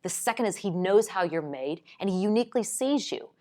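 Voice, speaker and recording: A woman with a loud, outspoken voice gives an earnest, encouraging Christian teaching talk to camera. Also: mid-range voice, lively intonation, brisk.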